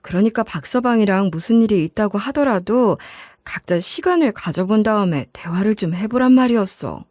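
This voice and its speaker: A woman's voice: mid-range voice, animated, brisk, few pauses, darkish tone, no room sound, studio quality, lightly acted. A woman narrator voicing an older mother who admonishes her child in a matter-of-fact way. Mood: placating. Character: older mother, plain-spoken, placating and chiding.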